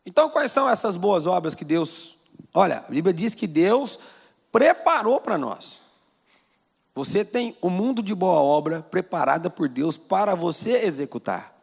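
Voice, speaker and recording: Gravelly Brazilian pastor preaching in a church. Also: male voice, sits high, lively intonation, unhurried. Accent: Brazilian Portuguese. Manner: conversational preaching with rhetorical questions. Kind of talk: sermon. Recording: long church-hall reverb.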